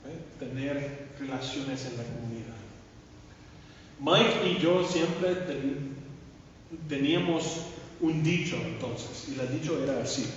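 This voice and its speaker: A man preaching a sermon in halting Spanish as a second language, with English fillers slipping in, in a church sanctuary. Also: mid-range voice, slight background noise. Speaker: pastor. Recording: echoey, distant, muffled church livestream.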